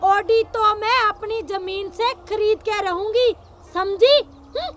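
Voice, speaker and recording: Actress as an older rural headwoman mother-in-law, domineering and scolding, very high-pitched. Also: takes it slowly, background noise.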